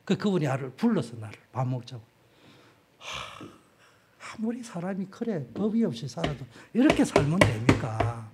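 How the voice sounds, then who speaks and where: Over a noisy background, a middle-aged male pastor from Gyeongsang, South Korea, gives a very animated sermon at normal speed in a fairly high voice. His manner is candid and chatty, and he acts out story dialogue, suddenly getting much louder at times.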